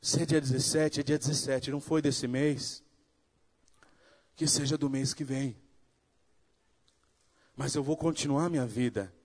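A man's voice: mid-range voice, measured pace, long pauses. A man from Brazil giving a sermon testimony, acting out the dialogue in his story and building to fervent preaching. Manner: animated storytelling, acts out dialogue.

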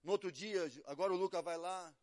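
High-voiced Brazilian pastor preaching. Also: male voice, fairly quick. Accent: Brazilian Portuguese. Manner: storytelling, swings between hushed and loud. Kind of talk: sermon with acted quotes.

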